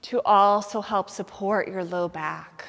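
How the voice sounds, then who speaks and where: A woman leads a guided relaxation as a yoga nidra teacher. Her delivery is very slow and soothing, with gentle instructions and room left between phrases. Her medium-pitched voice carries a long, hall-like reverb. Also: fairly even intonation, creaky. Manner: soothing, gentle, unhurried guiding with pauses.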